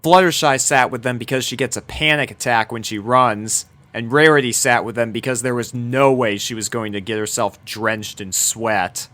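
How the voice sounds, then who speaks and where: A man's voice: mid-range voice, moderate pace, few pauses, fairly bright tone. A man reading a scripted fan-fiction story aloud as narrator.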